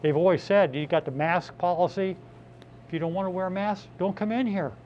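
A man's voice: sits high, fairly quick, darkish tone, dull audio, slight background noise. An older man, a regular customer, speaking bluntly and indignantly in a restaurant news interview. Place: indoor restaurant.

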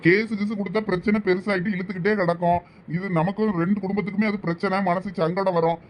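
Man doing a husband calming everyone down, thoothukudi accent, highish quick voice. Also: natural voice. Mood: placating. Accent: Thoothukudi Tamil. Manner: firm, placating. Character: calm middle-aged husband trying to make peace.

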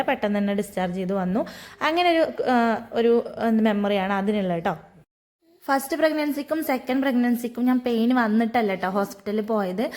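A woman vlogger with a medium-pitched, slightly mellow voice chats casually, filling her speech with fillers and the friendly tag "ട്ടോ".

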